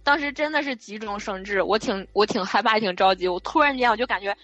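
A woman casually telling a true eerie story over a remote call, in a vivid, animated way with frequent restarts. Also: mid-range voice, quick pace, no echo, dull audio, faint music behind. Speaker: guest storyteller.

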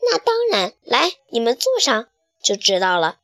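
A woman's voice: fairly high pitch, normal speed, no echo, clean studio sound, heavily acted. A woman voicing a small, eager young male lamb in a children's storybook. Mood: excited. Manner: eager, excitable. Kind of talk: storybook character voice.

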